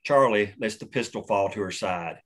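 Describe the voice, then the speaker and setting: A man reads a screenplay's action lines aloud at a table read, steady and matter-of-fact. His voice sits somewhat low. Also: normal speed. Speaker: stage direction reader.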